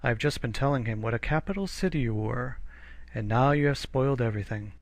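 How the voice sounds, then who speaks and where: A man voicing an earnest, worried painter who speaks in a hurried, slightly fretful way. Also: mid-range voice, close to an everyday voice.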